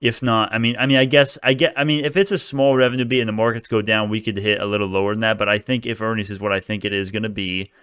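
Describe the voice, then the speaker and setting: Male retail-trader host, crypto-bro swagger, quick and informal, clean smooth voice for off-the-cuff market commentary. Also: fairly low pitch, steady tone, a bit bright, no echo, clean studio sound. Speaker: stock video host. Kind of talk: casual stock market commentary.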